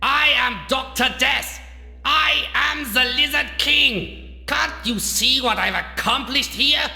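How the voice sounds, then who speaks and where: Slow, theatrical, deranged doctor villain. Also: male voice, medium pitch, wildly swooping pitch, pushed and bright, full character voice. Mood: grandiose rage. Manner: pompous, theatrical, over-enunciated. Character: smug, deranged male doctor villain with grandiose, apocalyptic menace. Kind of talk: video game villain acting. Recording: echoey reverberant hall, faint music behind.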